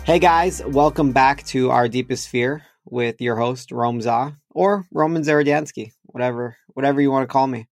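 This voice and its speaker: A man's voice: medium pitch, normal speed, few pauses, dry recording, faint music behind. A man hosting a podcast, chatting casually and laughing easily while he interviews a guest. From Chechnya. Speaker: podcast host.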